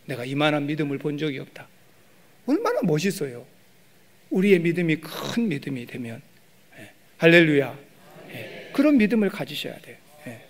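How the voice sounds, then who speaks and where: A middle-aged man preaching a sermon as pastor, animated, acting out prayers and calls with sudden loud bursts. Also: a little high, moderate pace, long pauses.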